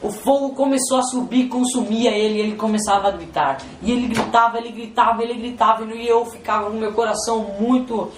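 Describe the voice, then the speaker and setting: A man giving an emotional religious testimony, talking in a halting, repetitive way and often calling out to the Lord. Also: high voice, steady tone, slight background noise. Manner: halting and repetitive, constantly addressing "Senhor". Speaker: testimony giver. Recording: roomy with faint background ambience.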